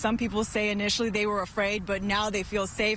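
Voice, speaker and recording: A woman's fairly high-pitched voice at a very fast pace, with noticeable background noise. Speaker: TV news reporter and anchor. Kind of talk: TV news live shots and stand-ups.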